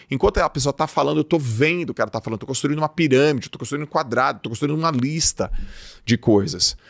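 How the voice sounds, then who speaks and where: Brazilian male podcast host, gravelly voice, dry close studio sound, emphatic motivational delivery. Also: medium pitch, dry recording. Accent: Brazilian Portuguese. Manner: emphatic, acts out quoted dialogue. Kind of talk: motivational talk.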